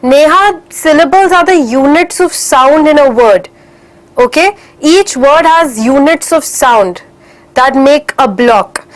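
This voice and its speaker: A woman's voice: high voice, animated, takes it slowly. A young woman teaching an online English class for children in Indian English, encouraging and slipping in Hindi phrases, a little stuffy from a cold.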